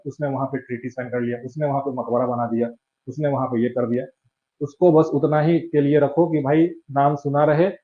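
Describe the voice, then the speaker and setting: A man's voice: medium pitch, warm tone. Male coaching teacher, muffled lecture. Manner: conversational, keeps asking "है ना?".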